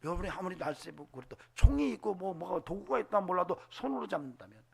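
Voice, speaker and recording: A man preaching a Sunday sermon, animated, acting out voices and dropping to whispers. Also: high-pitched, quick pace, vocal fry, breathy edge. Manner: animated, acts out voices in quotes, drops to whispers. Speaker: pastor. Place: church sanctuary.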